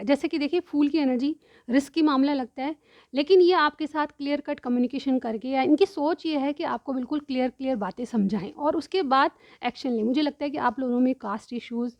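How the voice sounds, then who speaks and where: A tarot reader explains her cards to viewers one by one, often saying "theek hai" and repeatedly clearing a sore throat. Her voice sits high, and the recording has no echo but its highs are cut off.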